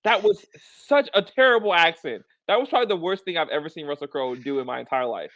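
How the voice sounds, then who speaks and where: A man's voice: a little high, fast, fairly bright tone, poor audio. A man co-hosting a casual film review podcast, talking in an emphatic, incredulous rant. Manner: incredulous, emphatic ranting with mock quotes. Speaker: podcast co-host.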